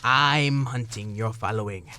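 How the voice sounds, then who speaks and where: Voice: medium pitch, a little slow, bright, forceful tone. Hansel, played by an actor, a terse, ominous boy hunter. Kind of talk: live student radio play acting.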